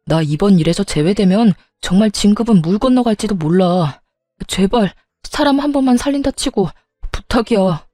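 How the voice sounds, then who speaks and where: A woman's voice: mid-range voice, animated, moderate pace, mellow, dry recording, natural voice. A woman voicing a weak, self-serving young husband who keeps begging in a storybook narration. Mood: pleading.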